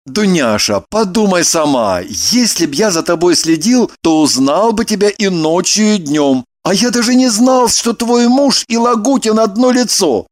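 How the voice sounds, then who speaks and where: A flustered young man, as a woman reader puts him on, earnest and insistent, blurting things out in halting bursts. The voice has an odd, altered timbre and swings widely in tone for an audiobook figure. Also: mid-range voice, animated, a little mellow, natural voice.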